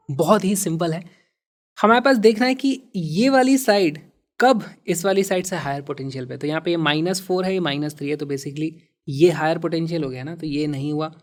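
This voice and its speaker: A man explains physics problems step by step. He talks in a lively way and leans hard on key words. He drops English terms in as he goes. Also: a little high. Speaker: physics teacher.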